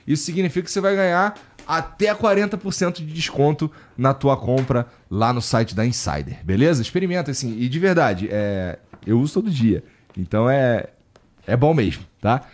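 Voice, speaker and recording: A man's voice: mid-range voice, animated, moderate pace. A Brazilian man hosting a podcast, talking casually in an informal, slangy way. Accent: Brazilian Portuguese. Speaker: podcast host. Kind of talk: casual chat.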